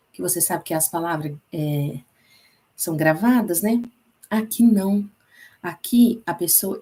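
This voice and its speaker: A woman's voice: medium pitch, dark tone. A woman with a Brazilian Portuguese accent who teaches an informal Bible class in a chatty way, repeating herself and using many fillers.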